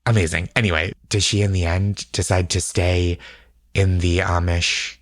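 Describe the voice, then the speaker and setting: A man co-hosting a relaxed bedtime podcast, talking in loose, casual, halting phrases. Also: low-pitched, no echo, clean studio sound. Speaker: podcast co-host.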